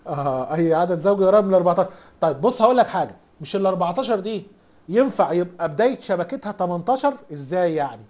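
A man's voice: high-pitched, expressive, racing, darkish tone. A man with an Egyptian accent teaching a casual recorded lesson, chatty and teasing, constantly quizzing the class with rhetorical questions. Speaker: IT instructor.

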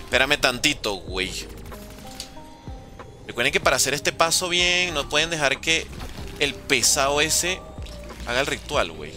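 Lively, bright-voiced young gaming streamer man. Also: on the high side, normal speed, pauses often, soft background music. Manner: playful, joking, teasing chat, swears. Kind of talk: live gaming commentary, reading chat.

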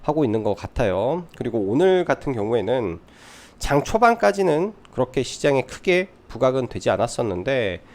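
A man's voice: mid-range voice, big pitch swings, normal speed, darkish tone. A man giving live stock market commentary as a trading adviser, explaining things by posing questions and answering them.

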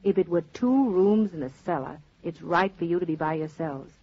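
A woman's voice: on the low side, normal speed, slight background noise, natural voice. An actress playing a plainspoken, dryly teasing middle-aged mother in a 1940s radio drama. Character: mother, older woman, dry and plainspoken. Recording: dull 1940s radio transcription.

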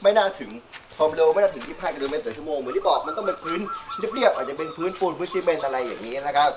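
A young man casually reviewing a remote-control car, chatty and excitable, calling out as he drives it. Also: fairly high pitch, racing, background noise. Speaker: toy reviewer. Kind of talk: casual outdoor product review vlog.

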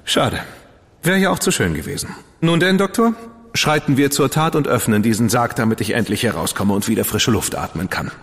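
Ironic dandy gentleman played by a man, lively voice, roomy reverb. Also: mid-range voice, brisk, natural voice. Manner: ironic, playful. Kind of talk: German audio drama acting.

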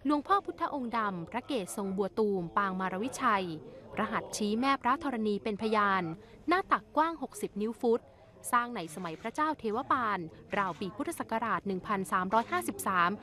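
Formal woman news reporter, high voice. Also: expressive, bright, forceful tone. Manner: formal, measured reading. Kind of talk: scripted royal news narration.

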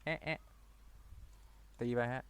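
A man giving excitable let's-play commentary, talking in rapid-fire bursts with playful loud exclamations. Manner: rapid-fire talker who admits he talks too fast and runs out of breath. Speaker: gaming video creator.

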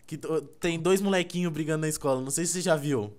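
A man's voice: a little high, fast talker, darkish tone. A young Brazilian man hosting a gameplay video, teasing his friend in rambling casual chat full of fillers. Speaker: gaming YouTuber.

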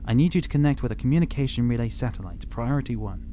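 A man's voice: medium pitch, animated, quick pace, background noise, lightly acted. A man playing an anxious male crew member stranded on a station, talking urgently.

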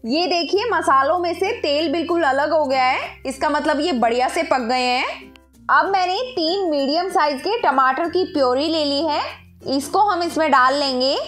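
High-voiced woman explaining a recipe. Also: fairly bright tone. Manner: instructive, addresses viewers directly. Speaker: cooking channel host. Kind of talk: step-by-step recipe narration.

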